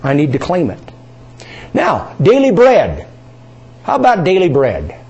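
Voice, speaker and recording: A man's voice: fairly high pitch, wildly swooping pitch, a little slow, a little mellow, breathy edge, dull audio. A man preaching a sermon, reading scripture aloud and asking his congregation questions.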